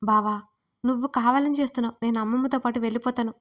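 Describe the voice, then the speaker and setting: A woman's voice: on the high side, fairly even intonation, quick pace, lightly acted. A woman voicing a shy, sulky young woman who pleads and whines in an audio story. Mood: pleading. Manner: coy pleading, whiny.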